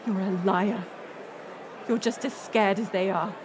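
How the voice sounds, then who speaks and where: A woman's voice: mid-range voice, steady tone, unhurried, noisy background, natural voice. A woman playing a fiery, defiant young princess in a dramatic audio roleplay, indignant and bitingly sarcastic. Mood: hurt, defiant. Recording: music and crowd murmur behind. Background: music and banquet crowd.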